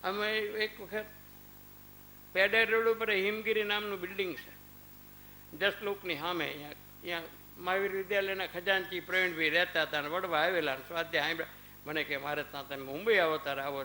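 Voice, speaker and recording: A man's voice: high voice, bright, forceful tone, a little hiss or hum. A man giving a conversational spiritual discourse to a small gathering. He calls on listeners by name and mixes in anecdotes and recited verses. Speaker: religious discourse speaker.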